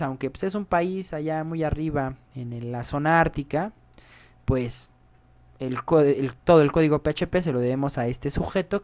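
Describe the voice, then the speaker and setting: A man gives a screen-recorded programming tutorial. He explains each step in a chatty way and keeps checking in with his viewers. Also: on the high side. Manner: chatty, explains step by step, often asks "¿sale?".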